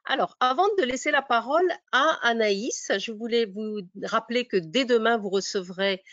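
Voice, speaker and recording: A woman moderates an online webinar and walks the audience through instructions. She halts often and fills the pauses. The audio is dry and dull, with no room sound, as from a computer microphone. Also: fairly high pitch, a bit bright, dry recording. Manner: halting, many fillers. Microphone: computer mic on a video call.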